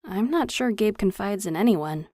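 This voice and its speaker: A woman's voice: medium pitch, expressive, moderate pace, warm tone, no room sound, studio quality. A woman reading an audiobook, voicing a worried young woman who speaks hesitantly in a slightly raised voice.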